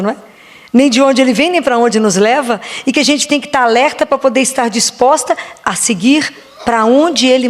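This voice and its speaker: A woman giving a slow, reflective devotional sermon, often asking rhetorical questions. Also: a little high. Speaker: preacher. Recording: long hall reverb.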